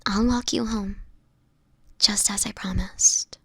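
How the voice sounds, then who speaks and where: A woman playing a gentle, sickly, anguished vampire in a whispery audio roleplay, speaking hesitantly and tenderly to the listener. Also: medium pitch, steady tone, slow pace, no echo. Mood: grateful, tender. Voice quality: breathy, often whispering.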